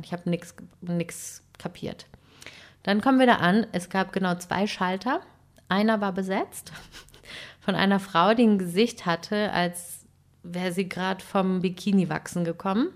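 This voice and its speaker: A young woman telling a story in casual chat, animated and exasperated, acting out what people said. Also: on the low side, unhurried. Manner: animated, exasperated retelling with acted-out quotes.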